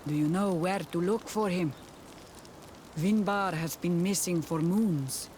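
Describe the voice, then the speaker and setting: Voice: mid-range voice, slow, a little mellow, slight background noise, natural voice. An actor playing a solemn, mystical tribal seer, grave and wary, with formal, weighty phrasing in a fantasy game. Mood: grave, stern. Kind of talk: fantasy video game cutscene acting.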